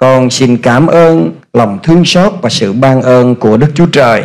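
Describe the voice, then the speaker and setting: Against a quiet background, a man's speech unfolds very slowly. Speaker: pastor. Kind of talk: sermon. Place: church. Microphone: headset.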